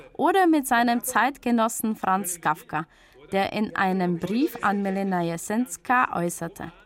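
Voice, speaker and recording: A woman reading the scripted narration of a radio feature in an even, measured way. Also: mid-range voice.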